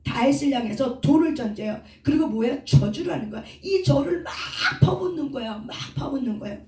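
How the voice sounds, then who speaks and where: A woman preaches a sermon, firing rhetorical questions at her listeners and answering them herself. Her voice is fairly high and mellow. The recording is roomy, with the mic well away from her. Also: animated, a little fast. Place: prayer house. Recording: echoey room from a distant mic.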